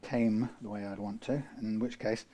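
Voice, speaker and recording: A man's voice: lowish voice, steady tone, moderate pace, warm tone, lo-fi sound. A man from the UK working through a guitar repair, talking in a rambling way, correcting himself and dropping dry asides. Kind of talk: workshop how-to narration.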